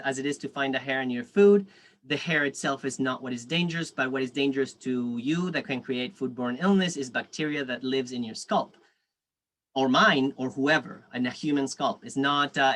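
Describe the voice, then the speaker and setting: A man's voice: medium pitch, fairly bright tone. A man with a Latino Spanish accent leading an online food safety workshop, friendly and chatty, reading the chat aloud with frequent fillers. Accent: Latino Spanish-accented English.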